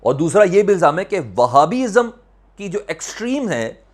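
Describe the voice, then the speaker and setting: Emphatic Pakistani man, slightly high-pitched voice. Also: big pitch swings, normal speed. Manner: emphatic, repeats phrases for effect, rhetorical questions; mixes English words into speech. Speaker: host of a news commentary video channel. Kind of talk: current affairs commentary addressed to viewers.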